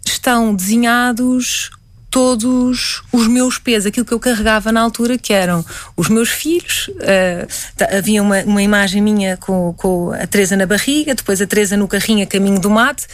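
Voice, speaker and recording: A woman's voice: medium pitch, normal speed, no echo. A woman from Portugal with a European Portuguese accent, a painter answering interview questions reflectively, often restarting her words.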